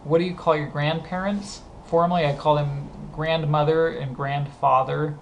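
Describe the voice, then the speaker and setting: A man's voice: fairly high pitch, steady tone, moderate pace, gravelly. Scratchy-voiced Southern California man. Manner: reads each word, then explains usage conversationally. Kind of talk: casual accent-tag word list.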